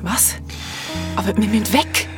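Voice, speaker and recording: A woman's voice: mid-range voice, unhurried, natural voice. An actress playing a lost young woman who pleads and pushes urgently. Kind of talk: audio drama acting. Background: music.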